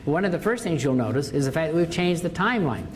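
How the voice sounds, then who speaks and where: An older man addresses an audience in an auditorium, his voice sitting a little high. He leans on words and repeats phrases for emphasis, with a faint hiss of noise behind him. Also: lively intonation, quick pace. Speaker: university president. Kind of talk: formal speech, then answering audience questions.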